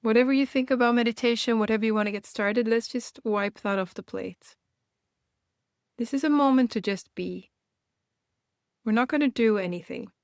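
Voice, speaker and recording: A woman guiding a meditation for beginners in a gentle, reassuring manner, leaving unhurried pauses between phrases. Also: fairly high pitch, no echo, clean studio sound. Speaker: meditation guide and host. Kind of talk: guided meditation, gently instructional.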